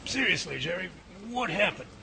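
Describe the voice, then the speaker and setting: A man's voice: high voice, big pitch swings, moderate pace, vocal fry, full character voice. An actor in a hobby radio drama playing a folksy, curious older male professor who teases and asks questions, over a noisy recording. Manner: folksy and inquisitive.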